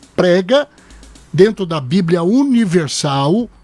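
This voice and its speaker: A man's fairly slow speech with very wide pitch swings, dry and close with no echo, over music in the background. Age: 60s. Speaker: pastor. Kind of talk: radio interview.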